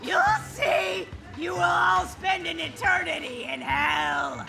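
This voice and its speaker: A woman's voice: very high voice, steady tone, creaky, over loud music, exaggerated voice. An actress playing a crazed, fanatical street preacher woman in an audio horror drama, accusing and drawing out her words. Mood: furious, fanatical. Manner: fanatical, accusing, drawn-out shouting.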